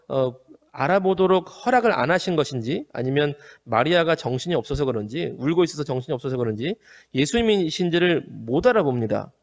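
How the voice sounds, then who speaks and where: A male pastor preaching an earnest, measured sermon with frequent hesitant fillers. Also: fairly high pitch, long reverb tail. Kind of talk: home worship sermon.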